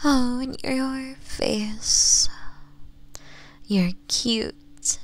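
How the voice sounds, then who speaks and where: A woman voicing a doting, possessive nine-tailed fox woman in an ASMR roleplay, cooing and teasing in a breathy voice that often drops to whispers. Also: on the high side. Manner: cooing, teasing, slow sultry endearments with giggles.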